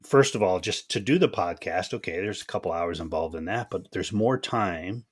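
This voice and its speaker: A man's voice: low-pitched, normal speed, breathy edge. A man hosting a podcast, asking questions in an easygoing, chatty way. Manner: easygoing, chatty, laughs along. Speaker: podcast host. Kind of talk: casual interview chat.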